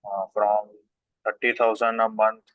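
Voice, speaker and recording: A man's voice: on the low side, little pitch movement, measured pace, dry recording. A man with an Indian accent, an analyst caller asking questions on an earnings call, polite but persistent. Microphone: remote call line. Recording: distant, narrow, radio-like phone line.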